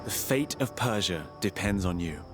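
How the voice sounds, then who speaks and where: An actor playing a serious, admiring ally who gives counsel in a video game. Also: male voice, fairly low pitch, expressive, normal speed, music in the background, lightly acted. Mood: earnest.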